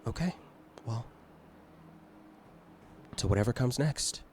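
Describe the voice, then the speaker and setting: A man playing a lonely, resigned dead climber in a tabletop game, halting, subdued and unsure. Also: mid-range voice, expressive, a little mellow, a little hiss or hum, voice pushed up. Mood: polite, accepting.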